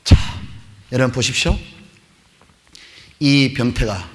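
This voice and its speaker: A man preaching to a youth retreat, telling a story with animated voices for the mother and the kids. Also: medium pitch, slow. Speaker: pastor. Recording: long hall reverb.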